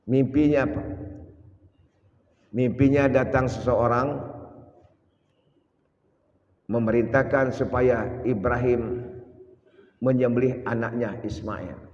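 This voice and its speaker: A man's voice: mid-range voice, fairly even intonation, slow, pauses often, darkish tone. A middle-aged male preacher, telling a story in a sermon and addressing the congregation with dramatic rises and falls. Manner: dramatic, rising and falling delivery, addresses congregation. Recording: echoey hall, dull lo-fi sound.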